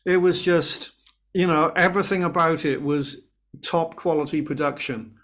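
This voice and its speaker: A man's voice: a little high, fairly even intonation, moderate pace, a bit bright. A man, a guest singer-songwriter chatting and telling a story about his song on a video call, with some restarts. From Wales. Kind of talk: casual interview chat.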